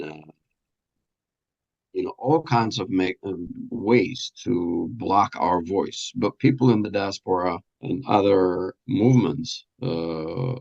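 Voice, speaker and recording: A man being interviewed, explaining earnestly in a halting, deliberate way with pauses mid-sentence. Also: low voice, creaky, darkish tone, muffled recording. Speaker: radio presenter and producer being interviewed.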